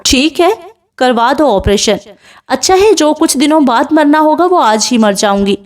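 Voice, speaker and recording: A bitter young woman lying sick in a hospital bed, as a woman reads her part, tearful and accusing, with her voice raised. Her voice sits fairly high. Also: lively intonation.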